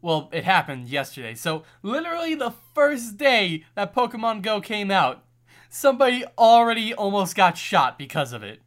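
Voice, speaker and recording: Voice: medium pitch, big pitch swings, normal speed, a bit bright. A young adult in a casual chat, arguing points and reasoning things out.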